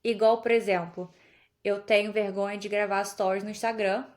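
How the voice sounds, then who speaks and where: A woman's voice: mid-range voice, flat delivery, normal speed. A young woman from Brazil chatting casually as a podcast guest, telling stories and laughing often. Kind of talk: casual conversation.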